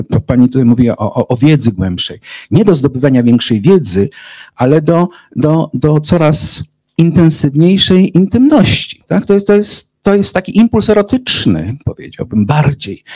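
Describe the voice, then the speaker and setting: A man's voice: a little high, darkish tone, slightly rough, dry recording, low-quality recording. A man who works as a literary translator, answering interview questions in a hesitant, thoughtful way, full of fillers and restarts.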